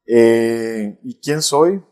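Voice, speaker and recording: A man's voice: medium pitch, very slow, mellow, smooth. A man, a Catholic priest, talking reflectively in a casual interview with many restarts and a habit of tagging "¿no?". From Mexico. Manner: reflective, frequent tag "¿no?" and restarts.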